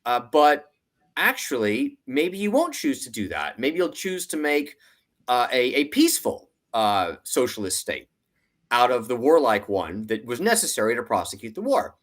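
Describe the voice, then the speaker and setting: A man's voice: mid-range voice, sing-song, normal speed. A man speaking off the cuff as an interview guest, giving emphatic economic commentary with rhetorical questions and repeated points.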